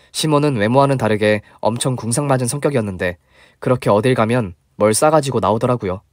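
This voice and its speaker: A man's voice: medium pitch, no echo, clean studio sound. Man narrating a chatty story.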